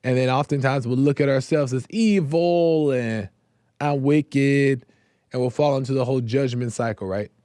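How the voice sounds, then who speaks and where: A man hosting a live faith talk show, speaking in a slow, reflective way with many pauses and repeated phrases while his voice is going hoarse. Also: mid-range voice, warm tone, dry recording, studio quality. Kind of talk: casual devotional talk.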